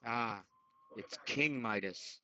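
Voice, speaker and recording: A man's voice: lowish voice, slow, pushed and bright, dry recording. A man taking part in a podcast quiz, answering with casual banter. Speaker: quiz contestant. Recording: dull, lo-fi online call.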